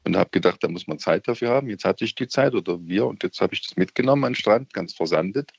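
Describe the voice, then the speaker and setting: A middle-aged man with a Saxon German accent phones in to a radio show for a casual chat from a seaside holiday, talking hesitantly with lots of fillers and restarts. His voice sits low and is creaky with a breathy edge, he speaks fast and animatedly, and the audio's highs are cut off.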